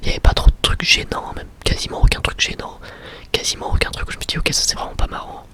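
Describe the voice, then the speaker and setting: A man whispering a casual ASMR review in a breathy, unvoiced voice, chatting informally and often rephrasing himself as he goes. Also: quick pace. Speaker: ASMR video creator and anime reviewer.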